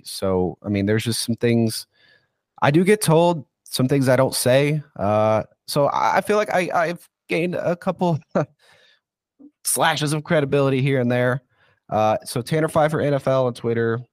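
A man speaks as a football insider on a podcast, in a lowish voice that sounds stuffy and congested, as if he has a cold. He rambles into long, loose rants and throws in a casual "dude" along the way. The sound is dry and close, with no room around it. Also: darkish tone, no room sound.

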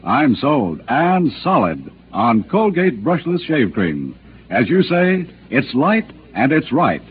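An actor reading a bowling champion's cheerful testimonial letter in a 1940s radio ad. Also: male voice, medium pitch, huge pitch swings, slow, soft background music. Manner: breezy, slangy. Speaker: reader of an endorsement letter. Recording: tinny old radio broadcast with hiss.

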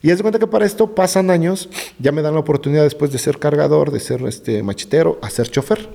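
A middle-aged gravedigger with a Mexican accent, appearing as a guest, tells ghost stories in lively conversation, talking fast in a creaky voice. He's a vivid storyteller who often sinks into hushed, low tones, and the recording has a roomy reverb.

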